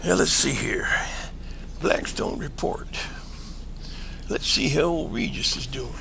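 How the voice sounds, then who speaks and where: A man playing an elderly, conscientious doctor in an audio drama, muttering earnestly and deliberately. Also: a little high, expressive, creaky, background noise, heavily acted. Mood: muttering, reflective. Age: older. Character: elderly male doctor, conscientious, muttering over medical reports.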